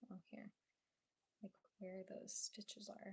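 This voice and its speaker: In a dry, close recording with no echo, a woman mumbles in an American accent, her voice somewhat breathy. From Iowa, US Midwest. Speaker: crochet YouTuber. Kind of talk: live-stream crafting tutorial. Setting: YouTube livestream at home. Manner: casual, counting stitches aloud; mumbling.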